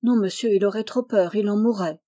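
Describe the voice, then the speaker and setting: A woman's voice: medium pitch, fairly quick, dark tone, close to an everyday voice. A woman reading aloud and voicing a polite, earnest, kind peasant boy.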